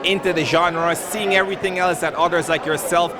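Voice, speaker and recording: A male interviewer with a fairly high voice hosts on a busy red carpet. He gushes compliments and chats upbeat with guests, with a loud crowd behind him. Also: fairly even intonation, brisk.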